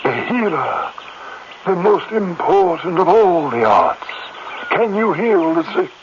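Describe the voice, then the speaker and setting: An actor playing a stern tribal elder and judge in a radio drama, speaking in a formal, pronouncing manner. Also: male voice, high-pitched, very animated, takes it slowly, exaggerated voice. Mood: stern, solemn. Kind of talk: 1970s radio drama acting. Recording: muffled, noisy old radio recording.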